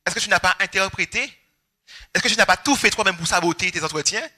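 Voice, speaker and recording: A young Guadeloupean man preaching a personal testimony, animated and storytelling, acting out his family's words. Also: sits high, fast talker. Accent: Guadeloupean French. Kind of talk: testimony sermon.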